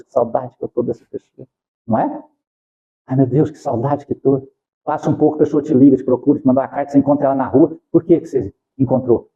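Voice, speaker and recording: A man lecturing at a spiritist center in an animated, rhetorical way, later leading a prayer, in a dull lo-fi recording. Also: mid-range voice, husky. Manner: animated, rhetorical questions, acts out quotes.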